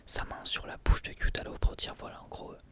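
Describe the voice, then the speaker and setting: A man whispering an ASMR review of an anime episode as the channel host, speaking hesitantly with frequent filler sounds and restarts. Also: a little fast. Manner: soft whisper throughout.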